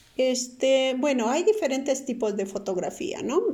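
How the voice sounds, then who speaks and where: A woman's dark, mellow tone comes through audible room echo at a fairly slow pace. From Peru. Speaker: Spanish teacher and photographer. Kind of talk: casual interview.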